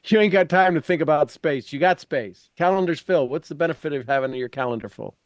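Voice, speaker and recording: A man's voice: on the high side, brisk, dry recording. Blunt, folksy man coaching, very dry sound. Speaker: coach leading a class. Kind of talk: informal coaching talk mixed with reading aloud from a book.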